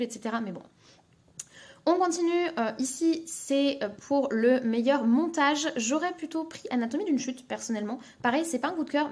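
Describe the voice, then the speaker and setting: A woman's voice: fairly high pitch, a little mellow. A woman giving casual, opinionated and emphatic reaction commentary as a film vlogger.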